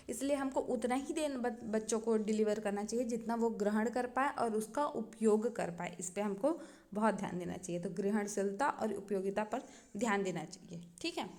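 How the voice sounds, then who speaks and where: A woman teacher with a Chhattisgarh accent gives an exam-prep lecture in a fairly high voice. She explains patiently, step by step, and keeps checking that her class is following. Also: darkish tone. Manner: explains slowly, often checks with "है ना" and "ठीक है".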